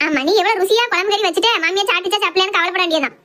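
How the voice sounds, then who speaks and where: Cartoon role: quick-witted village worker, voiced by a woman, shrill and rapid. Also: sharp tone. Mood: teasing. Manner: brisk, teasing. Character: sharp-tongued village working woman. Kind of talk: cartoon voice acting.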